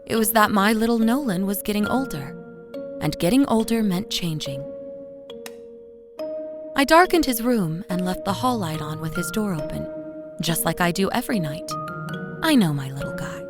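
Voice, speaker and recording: A woman playing a weary, devoted young mother, telling a first-person horror story in an intimate, expressive way. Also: medium pitch, normal speed, long pauses, close to an everyday voice. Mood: tender, uneasy. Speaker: narrator of a horror audio drama. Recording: voice over music bed. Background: music.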